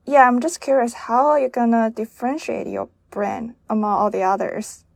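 A woman hosts an interview, posing her questions in a curious, measured way. Her voice sits a little high and sounds dry and close to the mic. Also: vocal fry, dry recording. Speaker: interviewer, host.

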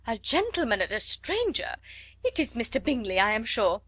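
A woman voicing a fussy, easily flustered middle-aged mother who exclaims and frets loudly in an audiobook. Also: on the high side, big pitch swings, moderate pace, no echo. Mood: fretful excited. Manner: loud, exclaiming, fretful. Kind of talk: audiobook character voice.

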